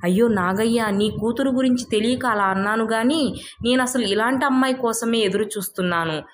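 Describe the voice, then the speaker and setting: A woman's voice: a little high, a little fast, a little hiss or hum, natural voice. A woman voicing a wealthy, judging village patriarch in a storybook tale, making firm pronouncements. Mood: conciliatory. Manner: declarative, judging. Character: stern wealthy village father-in-law testing families.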